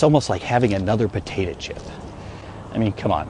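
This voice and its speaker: Over light background noise, a man talks at a fairly quick pace with ordinary pitch variation in a dry sound with no echo. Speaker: bass fishing instructor. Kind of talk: tutorial commentary. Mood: skeptical, mildly sarcastic. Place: open country.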